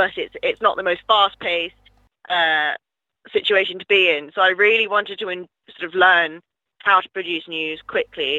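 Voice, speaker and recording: A woman speaks at a medium pitch and a moderate pace. Her intonation is fairly even. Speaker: master's student. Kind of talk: casual interview chat. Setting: remote call.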